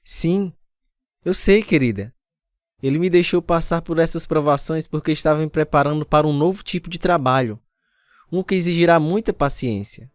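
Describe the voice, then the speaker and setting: A man's voice: on the high side, moderate pace, lightly acted. A man playing an earnest, devout Brazilian husband. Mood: grateful, earnest. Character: devout retired special education teacher, grateful older husband. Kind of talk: radio drama acting with first-person narration.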